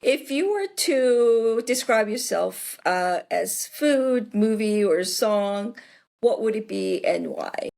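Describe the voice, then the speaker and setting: A woman hosting a podcast interview, speaking deliberately and encouragingly, especially when she addresses her listeners. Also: mid-range voice, animated, gravelly, a little mellow. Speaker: podcast host. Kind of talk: casual interview conversation.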